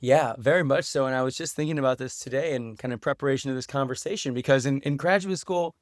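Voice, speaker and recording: A man's voice: mid-range voice, quick pace, no room sound, clean studio sound. A man speaking as a podcast guest, giving articulate, informal answers in a conversational way. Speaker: podcast guest, writer and English professor.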